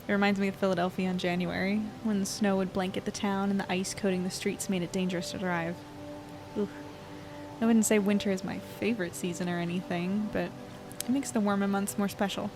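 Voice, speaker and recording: An actress plays a young woman in an audio drama, thoughtful and easygoing. Her voice sits at an ordinary female pitch and sounds natural and reflective. Music plays clearly behind her. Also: little pitch movement, a little fast, natural voice, rough recording.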